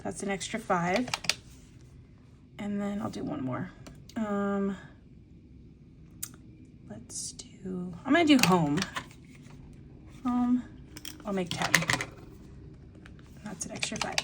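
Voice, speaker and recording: A young woman budgeting out loud in a relaxed vlog voice-over, chatty and full of fillers, a little congested from a lingering cough. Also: mid-range voice, slow pace, pauses often, noisy background. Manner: chatty, thinks aloud with many fillers. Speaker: budgeting vlogger. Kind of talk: casual voice-over while cash stuffing.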